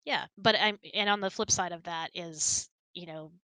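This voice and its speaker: Bright-toned woman chatting, lowish voice. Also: moderate pace, no echo. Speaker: host of a relationship Q&A hangout. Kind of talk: casual chat.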